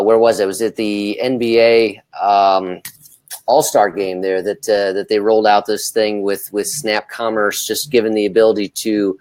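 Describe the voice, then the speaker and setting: A man hosting a casual news discussion, speaking haltingly and often restarting his phrases. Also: on the low side, a little mellow, dry recording. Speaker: talk show host.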